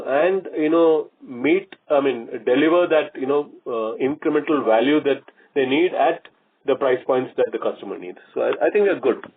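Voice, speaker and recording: A man, a company executive answering questions on an earnings call in a halting way, repeating and restarting phrases. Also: mid-range voice. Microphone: conference call line. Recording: muffled, tinny phone conference line.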